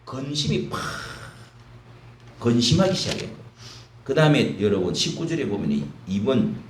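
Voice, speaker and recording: A male pastor giving an early-morning sermon in a lively, animated way, acting out quoted lines. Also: fairly high pitch. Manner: animated preaching with dramatized quotes. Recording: roomy echo from a distant mic, faint noise.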